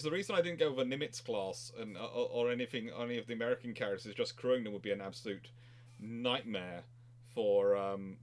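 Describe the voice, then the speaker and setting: A man hosting a casual naval history stream, explaining in a halting, digressive way and often correcting himself mid-thought. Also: lowish voice. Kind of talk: casual unscripted expert discussion. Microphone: voice call or live stream microphone.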